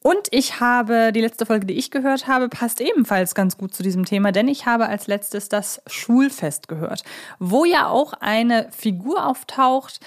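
A woman's voice: on the high side, a little slow. A woman hosting a podcast in a chatty, wordy style with stop-and-start phrasing. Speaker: podcast host.

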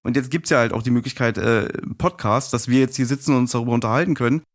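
A man with an average-pitched voice speaks in a casual, conversational podcast style. He sounds reflective and a little nostalgic, like a guest sharing his thoughts. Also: quick pace. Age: adult.

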